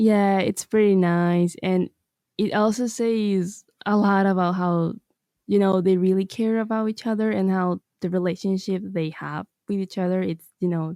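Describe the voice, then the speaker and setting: In a non-native accent, a woman speaks in a monotone, flat intonation with a dark, mellow tone, the sound dry and close with no echo. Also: medium pitch for a woman, moderate pace. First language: not English. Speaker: manga fan guest. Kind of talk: casual chat.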